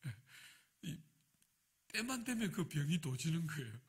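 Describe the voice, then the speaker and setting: A man's voice: on the high side, big pitch swings, measured pace. A man preaching a sermon as a pastor, telling a personal story and acting out his own prayers.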